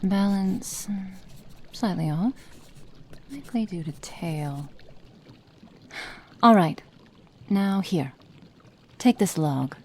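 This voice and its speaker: Slow, menacing, and sometimes dropping to soft whispers, a medium-pitched woman performs an ASMR roleplay as a cold, cruel witch running experiments on her captive. A faint hiss or hum sits under her voice.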